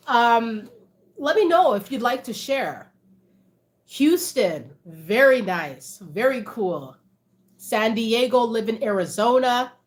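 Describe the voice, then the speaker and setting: A woman's voice: a little high, fairly bright tone. A woman, chatting casually with livestream viewers, reading out their comments and laughing often. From Canada. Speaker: livestream host.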